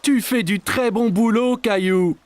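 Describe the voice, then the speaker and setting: A woman's voice: fairly high pitch, unhurried, a little mellow, dry recording, close to an everyday voice. A woman voicing a patient, kindly parent who explains things simply and reassuringly in a children's cartoon. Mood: encouraging.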